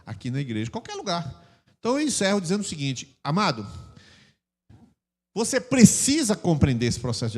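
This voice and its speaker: An older man preaching a sermon in Brazilian Portuguese, animated and acting out quarrels in mock voices. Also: fairly high pitch. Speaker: pastor. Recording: long church reverb.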